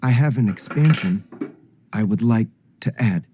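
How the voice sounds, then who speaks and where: An actor playing a weary, curious male android with measured, formal and stilted phrasing in a film drama. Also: on the low side, lively intonation, mellow, slight background noise, lightly acted. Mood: calm, formal.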